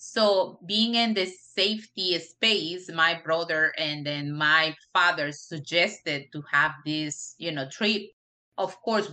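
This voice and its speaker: A middle-aged woman from Peru with a Peruvian Spanish accent, telling her story as an interview guest in an earnest, halting way with many fillers. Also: deep voice, bright, forceful tone. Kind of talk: interview conversation.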